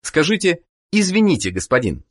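Male instructor narrator, husky tone, animated pitch, measured scripted prompts. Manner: measured, prompting the listener to repeat. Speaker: language course narrator.

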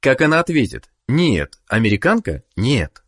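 A man narrating a scripted language course, giving clear prompts to the learner. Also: mid-range voice, huge pitch swings, moderate pace.

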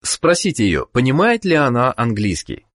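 A man narrating a scripted language course, giving clear prompts to the learner. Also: mid-range voice, wildly swooping pitch, moderate pace.

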